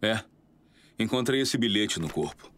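Low-voiced serious noir detective. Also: male voice, expressive, a little slow, a bit bright, a little hiss or hum. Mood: urgent. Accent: Brazilian. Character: serious, observant 1940s police detective partner. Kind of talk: noir audio drama acting.

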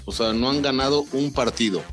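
A man co-hosting a sports podcast, pausing with fillers and asking pointed questions. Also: medium pitch, fairly bright tone, soft background music. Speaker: podcast co-host. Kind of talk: joking sports chat.

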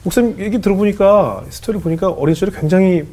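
A man's voice: high-pitched, fast talker, over a noisy crowd. A man hosting a talk show, interviewing in a chatty, joking way with lots of short reactions. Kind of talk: chatty interviewing with frequent backchannels.

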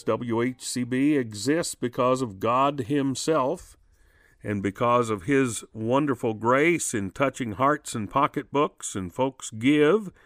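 A man hosting a Christian radio devotional program, speaking in a measured, deliberate way as he announces and teaches, repeating details for listeners. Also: mid-range voice, dry recording. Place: radio studio.

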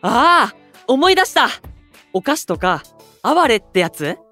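Cheeky youngest boy idol, higher voice, breezy slang, voice drama over faint music. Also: big pitch swings, a little slow, bright, forceful tone, heavily acted. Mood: laid-back. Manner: casual junior-to-senior slang. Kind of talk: anime-style voice drama acting.

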